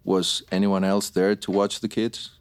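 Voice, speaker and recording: A middle-aged man playing a patient police detective, calm and reassuring. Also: deep voice, measured pace.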